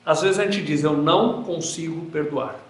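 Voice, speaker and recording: Higher-pitched and speaking at a moderate pace, a man leads a Bible class for a group, a projector in the room. His earnest preaching has a repetitive rhythm, with phrases said again for emphasis, all captured with the roomy echo of a hall.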